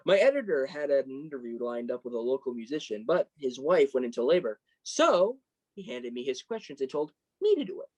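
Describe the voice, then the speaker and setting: Low, animated, supportive young journalist played by a woman. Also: a little fast, highs cut off, heavily acted. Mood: nervous excitement. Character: Tuck, supportive, self-deprecating young male journalist and best friend. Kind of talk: staged reading of a contemporary play.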